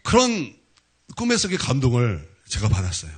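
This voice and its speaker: A man's voice: mid-range voice, huge pitch swings, normal speed, breathy edge. A man preaching a sermon as pastor, telling a story vividly and with animation.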